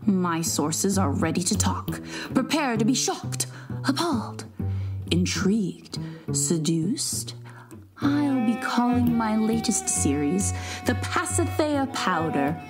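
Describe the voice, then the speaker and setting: A woman plays a self-important investigative journalist from a space audio drama, pitching her scoop. She is dramatic and relishes scandal, with music clearly playing behind her. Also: very animated, slow. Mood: dramatic, conspiratorial. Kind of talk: scripted podcast promo in character.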